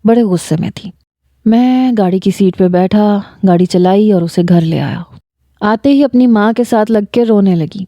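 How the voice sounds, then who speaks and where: Mellow-voiced woman narrating a story. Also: medium pitch, no room sound. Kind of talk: first-person story narration.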